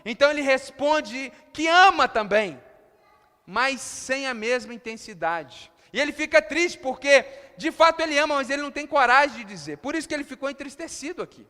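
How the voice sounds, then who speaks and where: A Brazilian pastor preaching in a very high, bright voice, swinging from hushed explanation to emphatic passages. The sound carries a long reverb from the church hall around him. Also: male voice, expressive, moderate pace. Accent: Brazilian Portuguese. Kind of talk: sermon.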